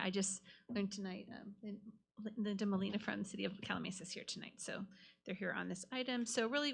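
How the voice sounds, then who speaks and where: Creaky-voiced woman giving a staff briefing. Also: mid-range voice, a bit bright. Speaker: city staff official presenting a report. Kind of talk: semi-formal staff briefing. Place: council meeting room.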